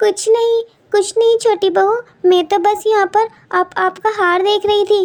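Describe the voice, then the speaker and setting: A woman does a cartoonish character voice at an extremely high pitch in a flat monotone. Her pace is moderate and her loudness very even. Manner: soft, hesitant.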